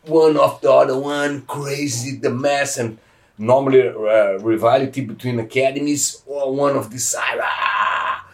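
A man's voice: medium pitch, fairly even intonation, measured pace, distant mic. A middle-aged Brazilian man, a jiu-jitsu black belt, telling stories in emphatic, broken English with a heavy Brazilian accent. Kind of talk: casual interview.

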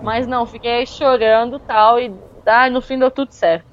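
A woman, telling a travel story in a casual, lively way, full of fillers. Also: on the high side, normal speed, highs cut off. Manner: lively, with many fillers like "tipo" and "meu".

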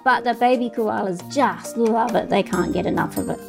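A woman explaining something casually in an animated, wry way. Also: a little high, moderate pace, gravelly. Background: music.

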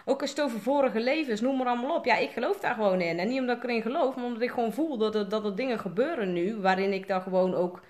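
A woman's voice: a little high, fast talker, few pauses. Dutch-accented woman coach, loose rambling live-chat delivery, filler-heavy. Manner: chatty, rambling, many fillers. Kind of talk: casual live video chat.

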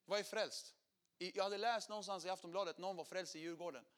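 High-voiced, animated male preacher. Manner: animated storyteller, acting out quotes, swings from loud to hushed. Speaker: preacher telling his testimony. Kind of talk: sermon testimony.

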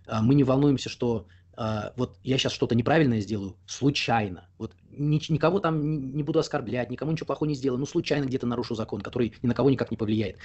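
A young man talks fast in a slightly husky voice. He is a guest in a casual interview. He argues his views at length and leans on fillers while he collects his thoughts. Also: medium pitch, a little mellow, highs cut off. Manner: talkative, opinionated, explains at length with frequent fillers.

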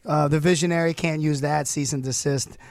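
A male radio host, hoarse from losing his voice, hyping up his show with joking, showy banter in a studio. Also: fairly high pitch, fairly even intonation, no echo. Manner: showy, joking, rapid riffing introductions. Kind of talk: playful, hyped radio banter. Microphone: studio microphone.

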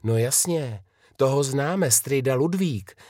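A man reading a children's storybook, voicing an eager, lively young princess. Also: a little high, no echo, studio quality, voice pushed up, close to an everyday voice. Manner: excited, eager.

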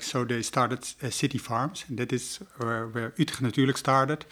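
A Dutch man in his fifties, a podcast guest explaining his organization in halting, searching speech. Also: medium pitch, a bit bright. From Netherlands. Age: 50s. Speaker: guest, nature organization program head. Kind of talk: conversational explanation.

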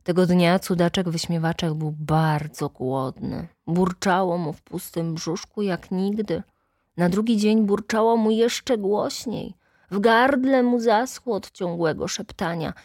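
Slow, dry-voiced woman reading a storybook. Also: fairly low pitch, no room sound. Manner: slow, expressive, animated quoting.

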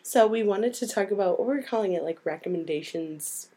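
A young woman with a hoarse voice from a cold, co-hosting a casual chat and laughing often. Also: medium pitch, brisk, warm tone. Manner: giggly, trailing off. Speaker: podcast co-host.

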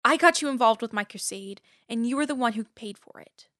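A woman's voice: a little high, fairly quick, a bit bright, dry recording, clean studio sound, natural voice. A woman playing an indignant, fiercely principled academic activist in an audio drama, speaking in an emphatic, impassioned way. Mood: guilty, apologetic.

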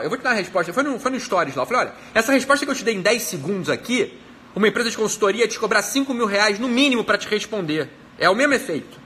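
A Brazilian man gives a motivational self-help talk in a high, bright voice. He talks fast and bluntly, swearing freely and repeating key phrases. A faint noise sits under his voice. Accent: Brazilian Portuguese. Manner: blunt and profane, emphatic repetition. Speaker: psychiatrist.

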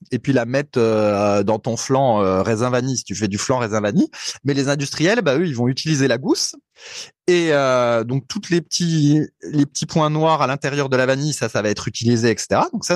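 A man's voice: on the high side, no echo, clean studio sound. A man co-hosting a casual podcast, explaining things at length in a chatty way and laughing easily. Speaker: podcast co-host. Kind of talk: casual chat.

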